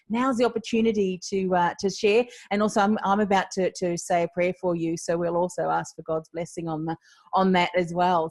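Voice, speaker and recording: A woman hosts a faith-based business podcast in an encouraging, affirming way. Her voice sits a little low for a woman, and she is from Australia. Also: darkish tone. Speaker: podcast host. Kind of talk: interview podcast with closing prayer.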